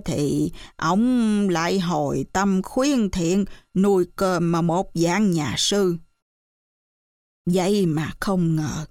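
A woman's voice: fairly low pitch, a little mellow, dry recording, studio quality. A woman voicing a rambling old villager. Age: older. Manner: hesitant, full of drawn-out fillers.

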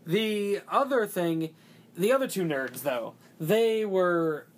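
A podcast co-host in a casual movie chat, rambling and filling every pause with "like". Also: mid-range voice, expressive. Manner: rambling, heavy use of "like", many restarts.

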